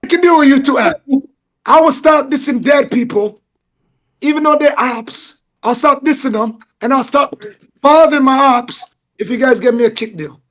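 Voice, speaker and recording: Brash high-voiced man, hoarse and rowdy. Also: normal speed, a bit bright. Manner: brash, boastful, slangy. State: hoarse, lost his voice. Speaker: guest rapper on a live stream. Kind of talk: rowdy live stream banter.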